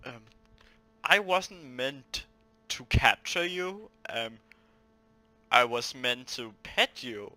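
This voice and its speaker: A man hosting a let's play, reading a visual novel aloud and breaking off into animated, jokey asides. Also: mid-range voice.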